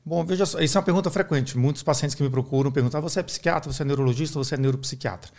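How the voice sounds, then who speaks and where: A middle-aged Brazilian man, a neurologist, explaining his field in a measured, teaching way on a podcast, often tagging his sentences with a questioning aside. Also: a little high, a little mellow. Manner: measured, didactic, uses many "né?" tags. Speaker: neurologist guest.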